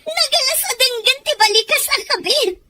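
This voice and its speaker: A woman playing an anguished, sharp-tongued young wife in a radio drama, with a Filipino accent. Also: very high voice, animated, normal speed, slight background noise, heavily acted. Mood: bitter, scornful.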